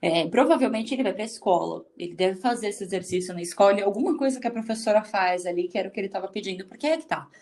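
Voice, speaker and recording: A Brazilian woman co-hosting a casual podcast, with a mid-range voice. She explains things in a calm, measured, advisory way. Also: mid-range voice. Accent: Brazilian Portuguese. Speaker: podcast co-host.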